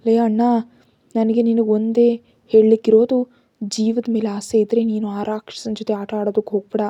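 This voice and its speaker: Woman doing young wife in a story, pleading n teasing, husky low-key voice, dry sound. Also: completely flat delivery, quick pace, dark tone, dry recording, dull audio, natural voice. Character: frightened young woman pleading for her brother.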